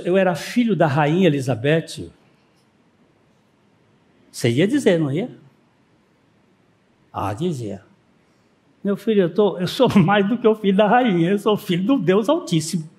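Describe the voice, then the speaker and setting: A man's voice: high voice, warm tone. A man preaching a sermon in a church, mixing rhetorical questions with anecdotes told with dry humor. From Northeast Brazil. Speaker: pastor. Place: church sanctuary.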